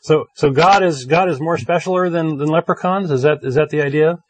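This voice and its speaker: A man co-hosting a call-in show, debating casually and haltingly, often repeating the start of his phrases. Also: on the high side, a little hiss or hum.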